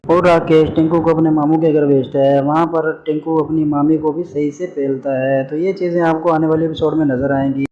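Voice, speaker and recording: A man's voice: on the high side, little pitch movement, brisk, hardly any pauses, warm tone, highs cut off. Chatty man recapping a story. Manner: chatty, addresses listeners as brothers and friends. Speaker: channel narrator.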